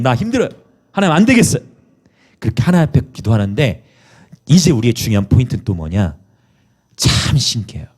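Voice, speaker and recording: A middle-aged man preaching a sermon as pastor, passionate, dropping to hushed whispers and acting out pleading prayers. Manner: impassioned, swings from hushed whispers to high cries.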